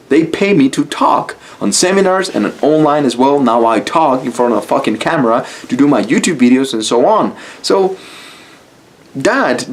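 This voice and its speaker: This YouTube-style coach from Mexico has a medium-pitched voice and a Mexican Spanish accent, with English as his second language. He speaks to camera casually and bluntly, motivating viewers and cursing without restraint.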